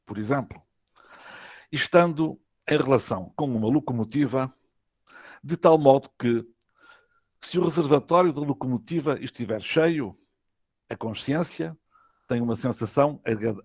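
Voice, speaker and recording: Man, European Portuguese accent, academic lecturer, mid-pitched voice, dry close sound, formal measured phrasing. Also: dry recording. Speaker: university professor, conference lecturer. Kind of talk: academic lecture read from a prepared text. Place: online web conference.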